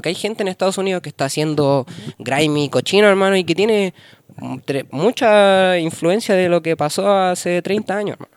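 A man talks at a fairly quick pace in a high pitch, with ordinary pitch variation. The sound is dry and close, with no echo. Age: 20s. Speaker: rapper. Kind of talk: casual chat.

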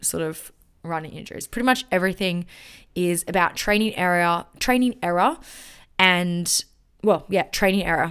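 Speaking with an Australian accent at a moderate pace, a woman uses a fairly low pitch with ordinary pitch variation. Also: very clean recording, silent background. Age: 20s. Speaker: physiotherapist and podcast host. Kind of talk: solo educational talk.

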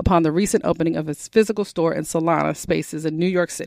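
A woman with a normal speaking voice talks at a fairly quick pace, her fairly low pitch carried with fairly even intonation in a dry, close sound with no echo. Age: 40s. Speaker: radio talk show host. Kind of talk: casual radio talk show. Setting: radio studio.

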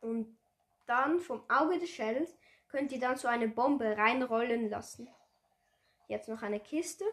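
A woman with a slight Swiss German accent speaks in a high voice with ordinary pitch variation and long, frequent pauses. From Switzerland. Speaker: gaming podcaster. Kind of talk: gameplay commentary. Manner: casual, hesitant.

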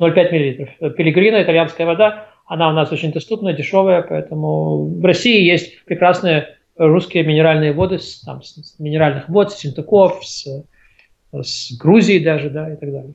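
A normal speaking voice comes from a man pitched fairly high, with ordinary pitch variation at a moderate pace. His loudness swings widely. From Russia. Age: 60s. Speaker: nutrition author and health consultant. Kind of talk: interview Q&A.

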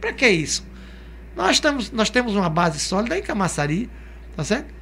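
A man talks at a fairly brisk pace, with noticeable noise in the background. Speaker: politician. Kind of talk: interview.

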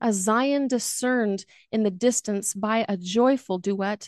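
A woman with fairly high pitch and an unremarkable speaking voice, dry and close with no echo, over a quiet background. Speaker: podcast host. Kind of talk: poem reading aloud, performed. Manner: measured, expressive, slow and heartfelt delivery; warm, conversational.

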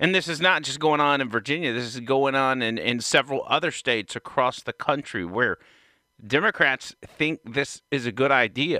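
In an American accent, a man with a fairly high, bright, sharp voice speaks at a moderate pace, the sound dry and close with no echo. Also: ordinary pitch variation. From Alabama, US South. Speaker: podcast host. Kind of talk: political commentary monologue.

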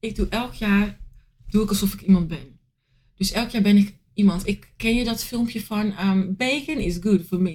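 Her voice is somewhat breathy, a woman speaking at medium pitch. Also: ordinary pitch variation, moderate pace. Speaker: podcast guest. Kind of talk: casual chat.

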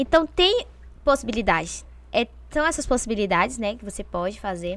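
A woman's fairly high, fairly quick voice with vocal fry and lively intonation. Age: 20s. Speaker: lawyer specialising in digital law. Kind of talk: casual interview.

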